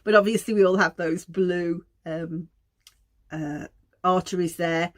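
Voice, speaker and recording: A woman's voice: on the low side, steady tone, a little slow. A woman with a Black Country accent from Wolverhampton giving an informal educational talk to viewers, explaining things in a chatty, self-deprecating way. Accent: Black Country English (Wolverhampton). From Wolverhampton, England. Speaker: aromatherapy educator and host.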